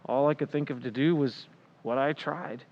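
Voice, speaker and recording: Male actor as earnest middle-aged dad in an old radio play, troubled, medium pitch, slightly dull recording. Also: moderate pace, natural voice. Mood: pained, confessing. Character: anguished, self-sacrificing father of a grown daughter. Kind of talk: 1940s radio drama acting.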